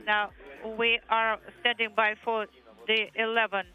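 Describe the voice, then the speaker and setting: A man speaking as a mission control communicator over a tinny space-to-ground radio line, measured and procedural, repeating call signs. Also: high voice, completely flat delivery. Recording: tinny narrow radio band with faint music.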